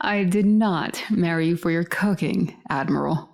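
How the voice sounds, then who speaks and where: Wry, lowish-voiced mother. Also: moderate pace, creaky, a little mellow. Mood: teasing. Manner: wry, playful. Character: teasing, affectionate wife and mother, planetary president. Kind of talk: audio drama dialogue.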